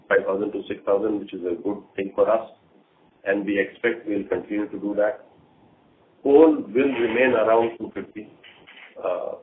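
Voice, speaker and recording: A man speaking as a company executive briefing investors on an earnings call, talking deliberately in short, halting phrases. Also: on the low side. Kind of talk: earnings call management commentary. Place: conference call. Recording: tinny phone line with faint noise.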